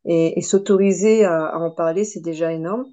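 French woman in her forties, podcast guest, lowish mellow voice, reflective with frequent restarts. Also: fairly even intonation, normal speed, lo-fi sound. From France. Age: 40s. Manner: thoughtful, many hesitations and restarts. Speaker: guest, personal development coach. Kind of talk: podcast interview.

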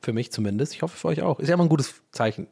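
A man's voice: on the high side, expressive, racing, gravelly, darkish tone, slightly rough. A man in his thirties from Dublin, a native English speaker, hosting his own podcast in a rambling, self-mocking casual chat full of fillers, restarts and playful swearing. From Ireland, Dublin. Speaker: podcast host.

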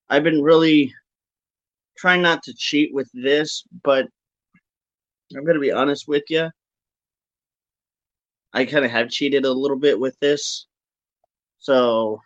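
A man hosting a casual online talk show, chatting in a laid-back, halting, folksy way. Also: on the high side, a bit bright, no room sound, muffled recording. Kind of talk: casual rambling live chat.

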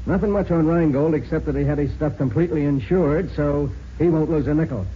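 A man's voice: on the high side, brisk, close to an everyday voice. Guy doing tough old-time radio police sergeant, blunt n slangy, dull hissy recording. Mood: businesslike. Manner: tough, slangy street cop talk. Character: blunt, skeptical male homicide police sergeant. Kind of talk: 1940s radio crime drama acting.

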